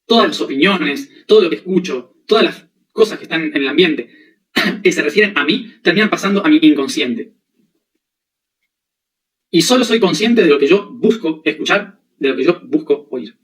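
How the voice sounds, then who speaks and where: A man with a somewhat high voice gives a spiritual lecture. He works through plain everyday examples and keeps asking whether his listeners follow. He sits back from the microphone, so the voice sounds distant. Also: animated, normal speed, a bit bright. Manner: explains with everyday examples and frequent checking questions. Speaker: spiritual teacher.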